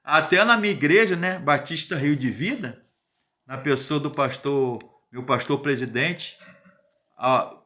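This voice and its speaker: A man's voice: on the high side, unhurried, bright, forceful tone. A man in his fifties giving an informal Bible teaching, emphatic and repetitive, often digressing and adding tag questions. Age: 50s.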